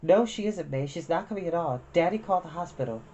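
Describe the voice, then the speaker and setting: Distraught schoolgirl for a storybook, reader's put-on voice: higher, sharp, yelling. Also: lively intonation, fast talker, lightly acted. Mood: angry. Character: upset older sister, a girl, fierce and frantic. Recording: slightly dull lo-fi recording.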